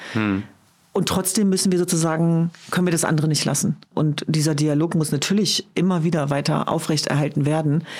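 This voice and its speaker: Amid noticeable background noise, a woman with a very deep, low pitch talks at a fairly quick pace, her loudness very even and her pitch varying in an ordinary way. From Germany. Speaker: human rights activist and journalist. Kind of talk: interview conversation.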